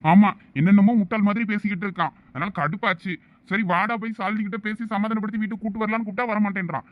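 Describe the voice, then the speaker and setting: A man's voice: high-pitched, steady tone, fast talker, no echo, lo-fi sound, lightly acted. A man voicing a hot-tempered loyal friend with a Thoothukudi accent. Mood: irritated. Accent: Thoothukudi Tamil. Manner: scolding, pleading with his friend. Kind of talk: cartoon voice acting.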